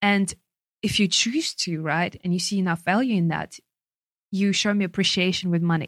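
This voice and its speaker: In a Russian accent, a woman speaks at a medium pitch and moderate pace with fairly even intonation, the sound dry and close with no echo. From Siberia, Russia. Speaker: sales professional. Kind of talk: casual interview chat.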